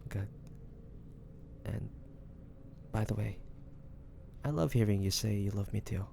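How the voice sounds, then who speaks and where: A man playing a devoted young lover in an intimate romantic fantasy audio roleplay, speaking softly and haltingly with great affection. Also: fairly low pitch, gravelly, background noise. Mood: tender, earnest. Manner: soft, hesitant, affectionate, halting phrases.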